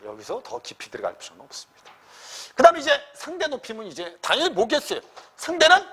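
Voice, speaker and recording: A man's voice: sits high, breathy edge. A man teaching a Korean grammar exam-prep lecture, checking in constantly with the listener and acting out students' questions and sample sentences.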